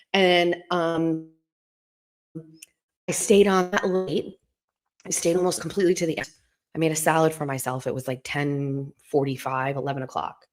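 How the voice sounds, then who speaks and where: A middle-aged woman hosting a live stream from home, chatting in a hushed, rambling way so she won't wake anyone. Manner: talking low and hushed to keep from waking someone; chatty and rambling, full of asides and restarts.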